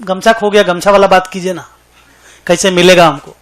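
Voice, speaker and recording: A man's voice: high voice, steady tone, normal speed, fairly bright tone. A man doing a humble, tearful poor migrant. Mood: pleading. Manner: pleading, deferential.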